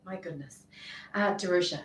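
A woman's voice: lowish voice, normal speed. A woman hosting a live podcast interview in a small office, chatty, with many ums and laughs. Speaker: podcast host. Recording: roomy, distant mic, faint noise.

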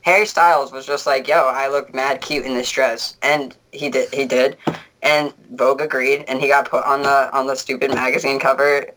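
A man's voice: mid-range voice, flat delivery, moderate pace, sharp tone, a little hiss or hum, low-quality recording. A young man speaking as a guest in a casual conversation, blunt and joking, with a fairly light voice.

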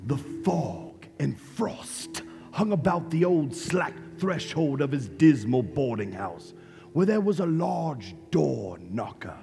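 Male narrator, creaky and bright, theatrical suspenseful storytelling, reverberant hall with music. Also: fairly high pitch, very animated, slow pace. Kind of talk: dramatic storytelling for a stage radio play. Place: theater stage.

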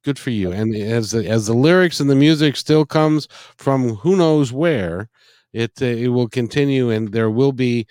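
A man's voice: mid-range voice, moderate pace, a little mellow, dry recording, studio quality. A middle-aged man hosting a casual music interview, effusive and rambling, often repeating his phrases. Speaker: interview host.

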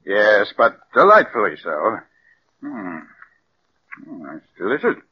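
An actor playing an eager, flattering company sponsor in a 1940s radio drama. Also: male voice, lowish voice, slow, slight background noise, heavily acted. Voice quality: effusive, flattering. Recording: dull old radio broadcast recording.

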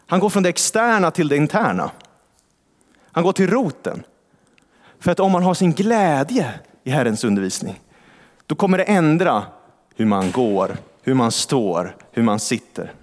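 A male pastor giving a sermon in a church, with a conversational style, asking rhetorical questions and reading scripture slowly. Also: a little high, sing-song. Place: large church hall. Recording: long church reverb.

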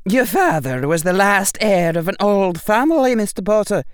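A woman's voice: mid-range voice, animated, moderate pace, smooth, no echo, voice pushed up, natural voice. A woman voicing a stern older witch professor with a clipped, scolding manner.

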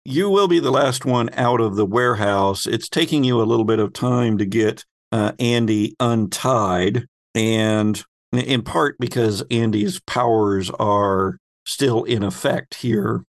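A man acting as game master, narrating an improvised tabletop game descriptively and pausing to find his words. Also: fairly low pitch, no room sound, clean studio sound.

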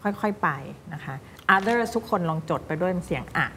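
A woman teaching English pronunciation, drilling single words slowly and then explaining quickly. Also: medium pitch, a bit bright, a little hiss or hum. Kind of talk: pronunciation coaching. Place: recording studio.

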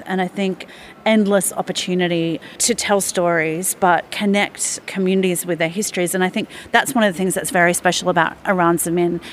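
A woman with a lowish voice talks steadily and warmly about her work as a museum chief executive, pausing with small fillers. A faint hiss sits under the recording. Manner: measured, enthusiastic, with fillers. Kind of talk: radio interview answers.

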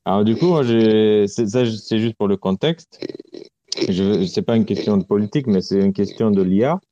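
A man from Romania, a guest speaking in a halting way and searching for words, heard over a remote call connection. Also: fairly low pitch, mellow, no echo. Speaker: artist guest. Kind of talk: casual interview talk. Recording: dull lo-fi call audio, dry.

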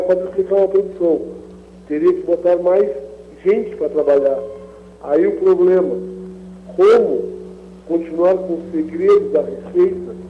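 Guy calling into a radio show, tinny phone line, fairly high voice, keeps circling back with examples. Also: slight background noise. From southern Brazil. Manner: explains haltingly with repeated examples. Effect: caller heard over a phone line. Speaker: caller. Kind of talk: asking a question on a call-in radio show.

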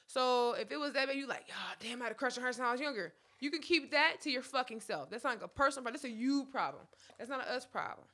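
A woman with co-hosts a casual talk show, blunt, profane and animated. Her voice sits high and has a sharp, bright edge. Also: fast, hardly any pauses. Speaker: podcast co-host. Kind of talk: casual chat.

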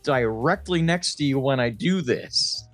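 A man co-hosting a comedy podcast, telling casual, profane anecdotes in a chatty, animated way. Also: medium pitch, a little slow, dry recording, soft background music. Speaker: podcast co-host. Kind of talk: casual comic storytelling chat.

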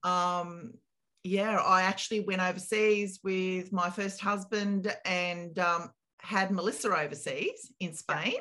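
A woman in her late fifties speaks as a podcast guest. She talks in an earnest, reflective, unhurried way. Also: on the low side, fairly even intonation, pushed and bright. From Australia. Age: 50s. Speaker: property consultant. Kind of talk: interview guest.

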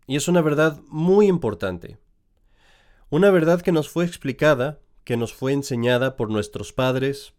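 A man, a priest, reads scripture in a measured, solemn way and then preaches a sermon, now and then correcting himself mid-phrase. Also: medium pitch, darkish tone. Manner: measured, solemn reading with slips and restarts.

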